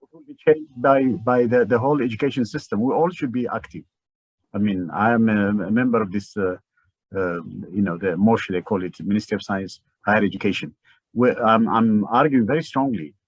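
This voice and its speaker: Older Ethiopian man, low and husky. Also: no echo, low-quality recording. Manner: halting, repetitive, emphatic. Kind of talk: impassioned interview commentary.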